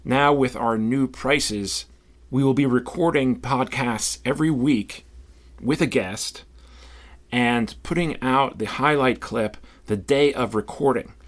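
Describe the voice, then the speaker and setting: A man's voice: medium pitch, takes it slowly. A man speaking as a podcast host, making announcements and interviewing.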